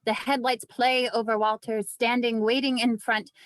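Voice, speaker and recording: A woman reading screenplay stage directions as scripted narration, with vivid, deliberate storytelling. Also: a little high, level tone, no room sound.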